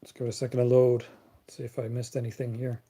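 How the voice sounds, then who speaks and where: A man's voice: mid-range voice, completely flat delivery, fast talker, dark tone, husky. A man from Canada hosting a casual live Q&A chat, blunt and sarcastic, rambling and repeating words as he talks. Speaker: live stream host.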